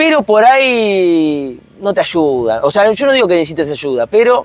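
A man's voice with very wide pitch swings. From Uruguay. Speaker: football content creator. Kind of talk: casual chat. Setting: football stadium.

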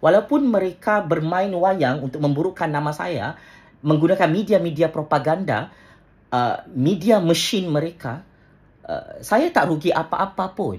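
A man's voice is pitched high and varies in an ordinary way. He talks fairly slowly. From Malaysia. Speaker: political commentator. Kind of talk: political monologue. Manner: halting with frequent fillers. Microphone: phone near.

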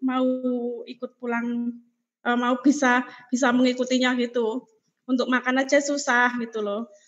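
A woman's high-pitched, monotone, flat delivery at a moderate pace against a quiet background. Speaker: migrant worker's wife. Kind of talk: personal testimony. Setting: video call. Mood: worried, pleading. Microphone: video call.

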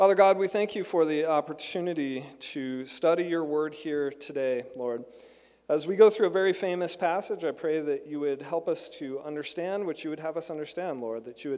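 A man at a moderate pace, ordinary pitch variation, quiet background. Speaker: preacher. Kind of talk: sermon. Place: church. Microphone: handheld.

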